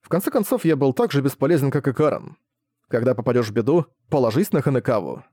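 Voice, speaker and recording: A man reading a novel aloud in a measured, even first-person narration. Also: mid-range voice, no echo, studio quality. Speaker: audiobook narrator.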